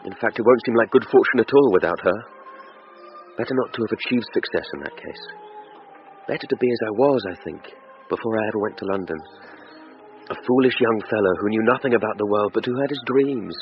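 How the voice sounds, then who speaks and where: A man playing a dreamy, lovesick young suitor who talks himself between hope and dread, in a lowish voice. Soft music plays behind, and the lo-fi radio sound is dull and muffled. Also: close to an everyday voice. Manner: anxious inner monologue, wavering between hope and dread. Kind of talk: radio drama acting.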